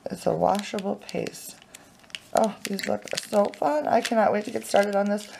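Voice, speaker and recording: An excited, chatty woman talks casually at home while showing off a package, her mid-pitched voice carrying a gravelly, creaky edge. A faint hiss and the crinkle of packaging sit behind her. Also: moderate pace. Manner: bubbly, excited, chatty with fillers. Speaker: family vlogger. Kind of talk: casual unboxing chat. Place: home, indoors at a table.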